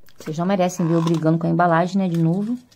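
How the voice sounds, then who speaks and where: A woman with a fairly low pitch and fairly even intonation. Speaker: beauty vlogger. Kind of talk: product review tutorial. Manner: speaking a bit quietly; chatty, affectionate diminutives.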